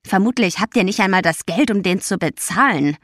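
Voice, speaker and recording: A woman voicing an angry, self-righteous ten-year-old boy who speaks in a loud, accusing voice. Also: mid-range voice, expressive, a little fast, dry recording, clean studio sound. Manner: indignant, raised voice.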